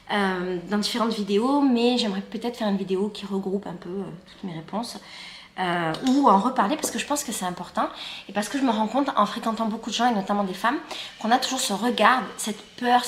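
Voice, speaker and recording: A woman's voice: medium pitch, slight background noise. A woman in her thirties from France, chatting casually in a vlog while eating breakfast. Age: 30s. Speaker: YouTuber and guide. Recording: roomy sound with faint ambience.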